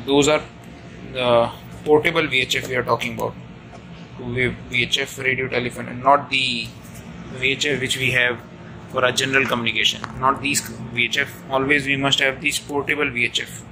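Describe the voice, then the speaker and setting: A man talks through a hands-on demonstration in a creaky, fairly monotone voice. He goes haltingly, often restating his phrases. The amateur phone recording has clear room noise behind him. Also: mid-range voice. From India. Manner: halting, repeats and rephrases himself. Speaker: ship officer giving an equipment tutorial. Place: indoors at a chart table aboard ship. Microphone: handheld phone camera mic. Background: steady room noise.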